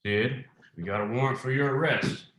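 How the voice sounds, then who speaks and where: A man's voice: medium pitch, moderate pace, fairly bright tone, close to an everyday voice. A man playing a menacing, arrogant company detective from the 1920s at a screenplay table read. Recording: roomy echo, faint noise.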